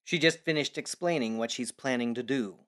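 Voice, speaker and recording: A male narrator with a mid-pitched voice. He reads scripted scene descriptions in the present tense for an audio drama. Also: fairly quick, fairly bright tone.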